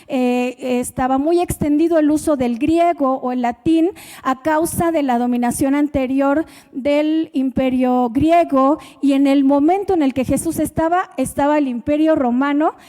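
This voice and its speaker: Mexican woman preacher, high warm voice, chatty sermon, reverberant church hall. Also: moderate pace. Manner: conversational, asks the congregation questions.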